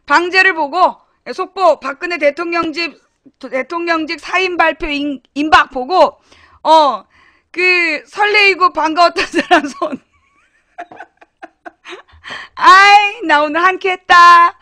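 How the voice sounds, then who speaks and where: Bright, high-voiced chatty Korean woman host. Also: slow pace, long pauses, no echo, clean studio sound. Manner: chatty, laughing, blunt and mocking. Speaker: live-stream talk show host. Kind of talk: casual live-stream chat reading viewer comments.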